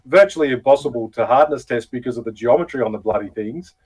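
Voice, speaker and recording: An Australian man talks with relaxed enthusiasm, throwing in jokes and laughing easily. His voice has an ordinary male pitch. The exchange feels like easy banter between mates. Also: quick pace, breathy edge, low-quality recording. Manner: enthusiastic, jokey, laughs often. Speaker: podcast co-host. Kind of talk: casual podcast chat.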